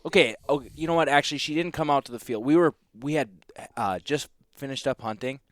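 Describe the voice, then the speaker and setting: A young man, a competition duck caller, chatting casually and telling animated stories, mimicking the people he mocks. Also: mid-range voice, fairly quick, no room sound, clean studio sound. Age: young adult. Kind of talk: casual chat.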